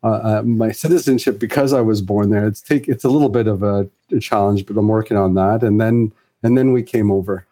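Middle-aged guy from fiji on a podcast, mellow voice, lots of likes and ums. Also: on the low side, steady tone, brisk, hardly any pauses. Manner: rambling, many fillers and restarts. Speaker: podcast guest. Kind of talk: casual conversational interview.

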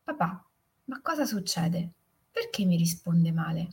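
A woman voicing a little boy in a spoken story, with a breathy voice. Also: fairly low pitch, big pitch swings, takes it slowly, darkish tone, full character voice. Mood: puzzled. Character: little boy, hurt and then angry.

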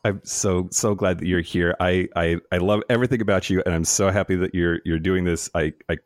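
A man's voice: sits low, fairly even intonation, fairly quick, no echo, clean studio sound. A man hosting a podcast in a casual, upbeat, enthusiastic way. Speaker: podcast host.

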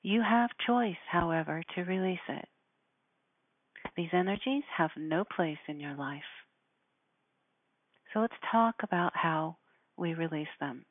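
A woman speaking in a measured, deliberate way, giving spiritual instruction and guided meditation. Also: fairly low pitch, no room sound. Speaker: spiritual teacher guiding listeners. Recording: narrow phone-like sound.

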